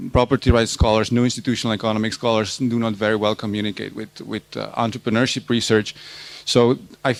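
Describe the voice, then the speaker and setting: Halting male lecturer, gravelly. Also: on the low side. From Czech Republic. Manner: halting, often repeats words while searching for them. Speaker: university lecturer presenting research. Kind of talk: academic conference talk.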